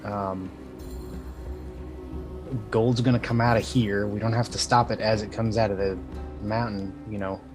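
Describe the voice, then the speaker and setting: A man playing a tabletop game, laying out a plan in a measured way. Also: fairly low pitch, fairly even intonation, over music. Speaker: player. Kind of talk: tabletop role-play chat.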